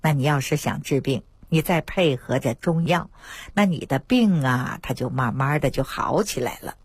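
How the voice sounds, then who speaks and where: A woman doctor, telling lively anecdotes about patients on a radio talk show. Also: rumbling low, moderate pace, breathy edge, no echo. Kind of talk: storytelling health talk on radio.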